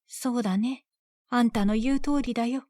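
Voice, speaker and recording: A woman's voice: on the high side, moderate pace, warm tone, dry recording, clean studio sound, natural voice. A woman playing a fretful old village mother. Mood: weary. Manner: fretful, scolding yet tender. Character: worried old village mother, soft-hearted.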